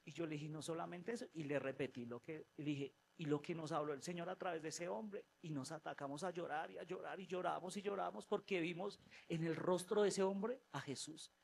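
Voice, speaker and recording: A man with a fairly high voice tells a personal testimony in church. He talks with lively animation, breaks off and restarts his phrases, and acts out the voices in his story. A faint noise sits behind him. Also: fairly quick, vocal fry, hardly any pauses. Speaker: church member giving testimony. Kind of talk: spoken testimony in a church service.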